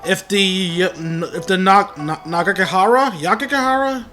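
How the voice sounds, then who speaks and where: A man's voice: sits high, normal speed, pushed and bright, faint music behind. A man giving casual playthrough commentary as a gaming YouTuber, with informal, self-deprecating asides.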